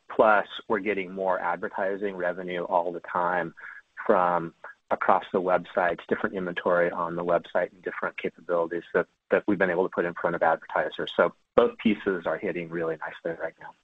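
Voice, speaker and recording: A man's voice: deep voice, breathy edge, no echo. A male finance executive speaking formally about company figures on an earnings conference call. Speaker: finance executive presenting results. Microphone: conference call line. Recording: dry, narrow phone-like line.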